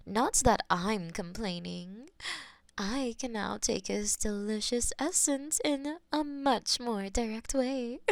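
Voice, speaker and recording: Audio roleplay: a woman plays a smug, possessive female demon who teases in an unhurried purr, with a dry, close sound. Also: medium pitch, gravelly, dry recording, full character voice. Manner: teasing, slow and purring, drops to soft whispers.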